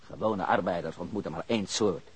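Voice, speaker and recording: Bitter foreign male worker, very husky, low-pitched, terse, hesitant, disillusioned, radio play witness. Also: a little fast. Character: bitter foreign labourer, man, reluctant police witness. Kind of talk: audio drama acting.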